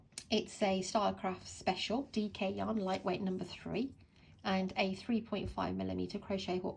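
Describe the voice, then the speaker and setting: Speech comes at a moderate pace. It is delivered with a British accent. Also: woman. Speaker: crochet tutor. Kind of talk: tutorial.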